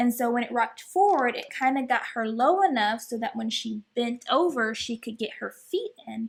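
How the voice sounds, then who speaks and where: A woman speaks at a high pitch and a moderate pace with lively intonation. The recording is very clean, with a silent background. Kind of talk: educational tips talk. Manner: casual, conversational.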